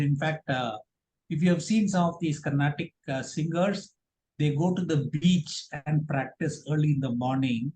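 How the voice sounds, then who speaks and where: A man with an Indian accent speaking as a public speaking trainer in an online workshop, explaining and instructing with emphatic stresses. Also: on the high side. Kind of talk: online workshop talk with question and answer. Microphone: online video call. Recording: roomy, echoey online call sound.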